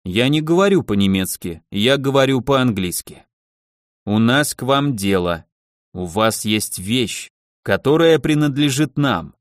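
A man reading the part of a foreign gangster who speaks slowly and carefully, choosing each word. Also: mid-range voice, expressive, no room sound, clean studio sound, natural voice. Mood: cold, insistent. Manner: slow, careful, deliberate speech. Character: foreign male gangster, cold and deliberate.

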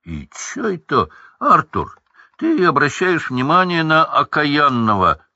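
A huge, gruff gamekeeper, voiced by a male reader who booms and grumbles in homely rustic words. His voice is pushed high and loud and sounds bright and forceful. The sound is dry and lo-fi. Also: huge pitch swings, takes it slowly, no room sound, exaggerated voice. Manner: grumbling, rustic folksy speech. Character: huge gruff booming half-giant gamekeeper.

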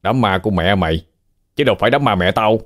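A man with a Southern Vietnamese accent playing a bald thug who shouts threats and sneers. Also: on the low side, quick pace, natural voice. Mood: menacing.

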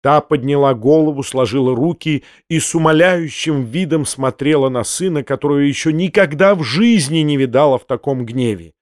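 A man's voice: fairly high pitch, no room sound. Man narrating a classic novel, dry close voice. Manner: measured, even storytelling. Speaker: audiobook reader. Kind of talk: scripted literary narration.

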